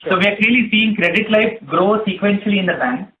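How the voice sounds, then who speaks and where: A man giving measured, explanatory answers as a company executive on an earnings call. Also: high voice, steady tone, sharp tone. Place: conference call. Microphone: telephone. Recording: tinny phone line with noise and clicks.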